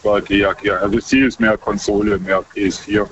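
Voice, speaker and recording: A man's voice: on the low side, flat delivery, brisk, a bit bright. A middle-aged man calling in to a radio show, rambling and hesitant, searching for his words. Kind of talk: casual phone chat. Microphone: telephone. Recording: muffled distant phone line with faint hiss.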